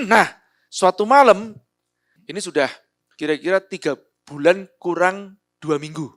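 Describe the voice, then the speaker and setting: Middle-aged man, Javanese-native speaker, storytelling talk, lively rises and falls, slightly higher voice. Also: a little slow. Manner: animated storyteller, voices quotes with big pitch jumps. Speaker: motivational speaker.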